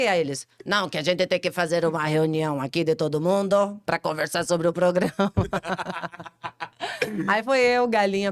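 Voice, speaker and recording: A woman's voice: lowish voice, no echo, clean studio sound. A Brazilian woman, a radio presenter on a podcast, telling a story in casual chat and acting out the lines of the people in it. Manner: lively storyteller who acts out quoted dialogue, laughing often.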